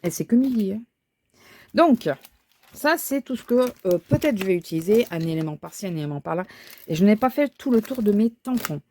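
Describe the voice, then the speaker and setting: A woman's voice: mid-range voice, animated, brisk, dark tone, slight background noise. Woman chatting casually while crafting. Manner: thinking aloud, hesitant, many fillers and restarts. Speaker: crafting vlogger.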